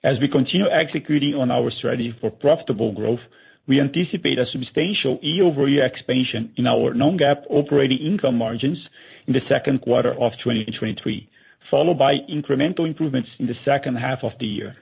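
Gravelly man reading formal financial remarks. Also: mid-range voice, quick pace. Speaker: company finance executive. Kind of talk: scripted earnings call presentation. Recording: narrow, tinny conference phone line.

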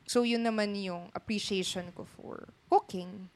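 A woman's voice: mid-range voice, measured pace. A Filipina woman with a cough, co-hosting a podcast in casual chat and mixing English in as she teases and laughs. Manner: laughs often, mixes English into Tagalog, lively teasing. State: has a cough. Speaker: podcast co-host.

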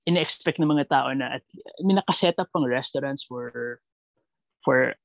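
A Filipino man answering reflectively in conversational Taglish, mixing Tagalog and English, halting and repeating words as he thinks aloud with a creaky voice. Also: medium pitch, dry recording, muffled recording.

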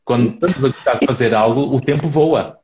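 European Portuguese man, live-stream co-host, measured and thoughtful, dull lo-fi audio. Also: mid-range voice, a little mellow, slight background noise. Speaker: psychologist co-hosting a live stream. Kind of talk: casual live chat reading viewer comments.

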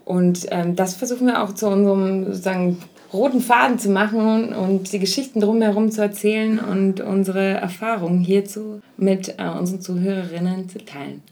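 A woman's voice: medium pitch, fairly even intonation, normal speed, a little mellow. A young woman from Kazakhstan co-hosting a podcast, chatting casually with many fillers and frequent laughs. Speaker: podcast co-host.

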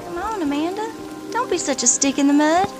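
A woman's voice: very high voice, lively intonation, fairly quick. A woman playing a bubbly, teasing young party-loving best friend in an audio drama, coaxing and playful. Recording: loud music bed behind the voice.

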